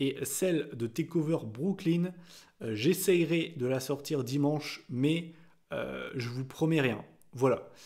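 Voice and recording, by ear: A man puts on a hoarse character voice at a fairly high pitch. He speaks at a fairly slow pace.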